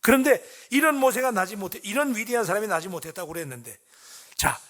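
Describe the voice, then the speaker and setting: A man's voice: sits high, animated, fast, a bit bright. A middle-aged man preaching a dawn sermon in a church, talking conversationally and tossing questions to the congregation. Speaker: pastor. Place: church sanctuary.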